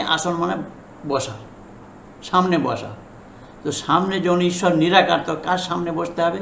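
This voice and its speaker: A man preaching a didactic sermon as a non-native learner of Bengali, halting and repeating phrases for emphasis. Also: high voice, creaky. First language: not a native Bengali speaker. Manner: halting learner's Bengali, self-described as broken. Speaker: religious preacher. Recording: echoey room with faint background noise.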